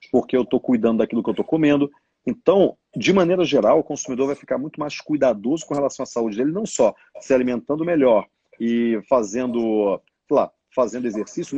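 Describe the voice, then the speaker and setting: Husky man talking business trends. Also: medium pitch, dark tone, no room sound, highs cut off. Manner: colloquial, emphatic, acts out others' thoughts. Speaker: business educator. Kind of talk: casual business talk.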